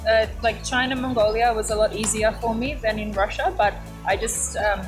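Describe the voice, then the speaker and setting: A woman's voice: on the high side, fairly even intonation, moderate pace, over music. A woman answering interview questions casually and encouragingly. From Australia. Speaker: traveller sharing tips.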